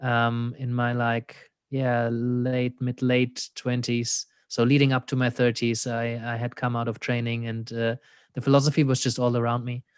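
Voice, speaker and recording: A man's voice: medium pitch, completely flat delivery, normal speed, clean tone, no room sound, studio quality. A man with a German accent, an existential coach talking thoughtfully as an interview guest, laughing often and leaning on "you know.". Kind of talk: reflective conversational interview.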